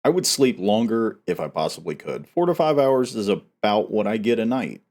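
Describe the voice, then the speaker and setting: A man's voice: lowish voice, lively intonation, moderate pace, darkish tone. A man hosting a novel read-aloud, talking casually and reading in an audiobook style. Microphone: headset.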